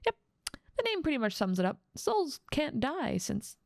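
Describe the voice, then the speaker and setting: A dominant demon ruler of hell, acted by a woman, speaks in an ASMR roleplay with a creaky edge to her voice. She is teasing and condescending, with playful menace, and the recording is close and dry. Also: high-pitched, big pitch swings, moderate pace, a little mellow, dry recording, heavily acted. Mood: sly, casual. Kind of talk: ASMR roleplay audio drama.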